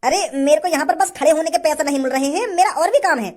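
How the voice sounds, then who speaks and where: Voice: sits high, fast, natural voice. A performer voicing a dutiful male hangman in a cartoon, speaking politely in rustic speech.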